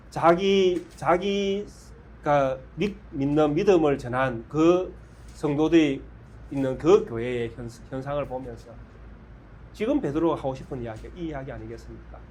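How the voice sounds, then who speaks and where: A male pastor preaching a sermon, asking rhetorical questions and swinging from loud stresses to hushed lines. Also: on the high side, unhurried.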